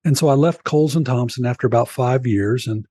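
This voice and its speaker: An older man, around sixty, shares a personal story as a podcast guest. His voice is mellow and slightly raspy, recorded dry and close on the mic. He speaks earnestly and reflectively, turning to the host by name. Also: mid-range voice, brisk, no echo.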